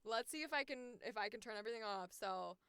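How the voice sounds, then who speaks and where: A woman streamer with a slightly high, bright voice talks casually to her audience. She is chatty and giggly, and the sound is dry and close. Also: animated, fast, clean tone, no echo. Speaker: livestream host and voice actor. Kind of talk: casual livestream chat, signing off.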